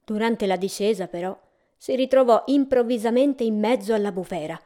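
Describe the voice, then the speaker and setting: A woman narrates a storybook in a calm, measured way, her voice sitting slightly high. She gives each sentence a gentle, unhurried shape, as if reading aloud to listeners.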